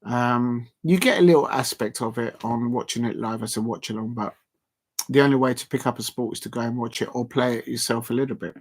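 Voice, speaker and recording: Male football streamer, casual late-night sign-off, filler-heavy ramble, ordinary middle pitch. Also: fairly quick. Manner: rambling, filler-heavy, reading out chat shout-outs. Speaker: football watch-along streamer. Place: at home at night with a TV on.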